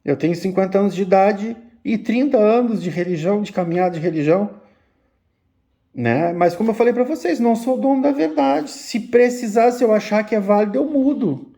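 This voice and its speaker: A man, an umbanda teacher giving a slow, repetitive religious talk to his viewers. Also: high voice, animated, creaky, warm tone. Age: 50s. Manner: slow, repetitive, addressing listeners as "gente". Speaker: umbanda spiritual teacher and channel host.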